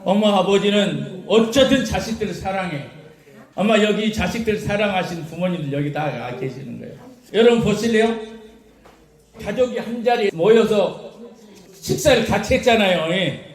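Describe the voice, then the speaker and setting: A man delivers an animated sermon in a high voice, laughing as he tells his stories and putting questions to his listeners. His voice rings through an echoey church hall. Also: normal speed. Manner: animated storytelling with laughter, asks the congregation questions. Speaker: pastor. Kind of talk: lively sermon.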